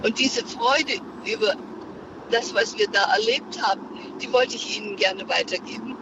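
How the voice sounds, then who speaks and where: A woman's voice: medium pitch, moderate pace. An older woman calling a radio show from her car, telling a story earnestly with many hesitations. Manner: earnest, searching for words with many fillers. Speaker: caller. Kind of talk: phone-in storytelling. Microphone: phone. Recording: muffled phone line with car noise.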